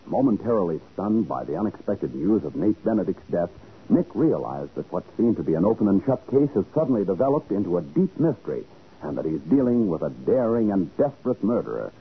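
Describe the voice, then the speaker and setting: Animated 1940s radio announcer, male. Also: deep voice, a little fast. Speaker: announcer and narrator. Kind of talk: 1940s radio scripted narration. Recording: noisy-free but narrow-band old radio broadcast. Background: music.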